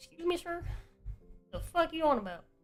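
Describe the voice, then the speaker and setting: A woman puts on a character voice with a strong Southern US accent, pitched extremely high. She goes at a fairly quick pace over faint music in the background. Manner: confrontational, mocking.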